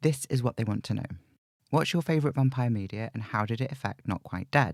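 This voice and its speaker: In a British accent, a man talks at medium pitch with ordinary pitch variation, the sound dry and close with no echo. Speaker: podcast creator. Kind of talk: Q&A monologue.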